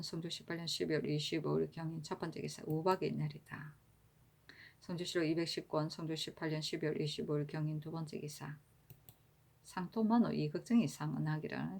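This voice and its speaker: A woman reading historical court annals aloud in a steady, even-paced, formal manner. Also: low voice. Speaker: reader of historical records.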